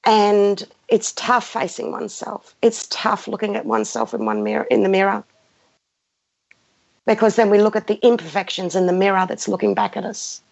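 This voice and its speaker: On a muffled, roomy lo-fi recording, a spiritual guide in her fifties with a Greek background hosts a live session. Her mid-range voice is expressive and a bit creaky, at a moderate pace. She talks without a script, passionately and emphatically, repeating phrases while guiding those listening.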